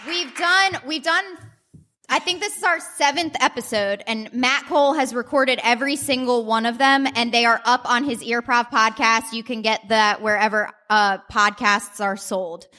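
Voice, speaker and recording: A woman's voice: a little high, moderate pace, pushed and bright. A woman casually and informally introducing a live comedy show from a theater stage. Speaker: comedy troupe host. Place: theater stage before audience.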